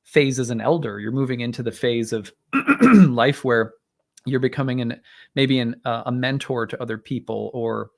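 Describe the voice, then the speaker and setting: A man in his thirties or forties hosting an astrology livestream. He talks casually and rambles, with many fillers and restarts, and clears his throat now and then because his voice is strained and tiring. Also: medium pitch, normal speed. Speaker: astrologer, live stream host. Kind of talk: casual livestream talk and chart reading.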